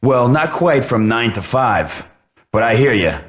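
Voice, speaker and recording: A man's voice: medium pitch, big pitch swings, measured pace. An actor playing an easygoing, sheepish henchman in a video game, making hesitant casual small talk.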